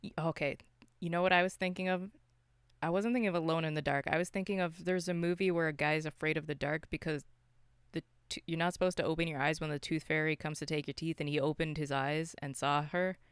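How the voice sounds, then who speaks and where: Podcast host, smooth clear voice, medium pitch, chatty and animated, cuts themselves off, swears a bit. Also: fast talker, dry recording, clean studio sound. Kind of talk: casual film and game discussion.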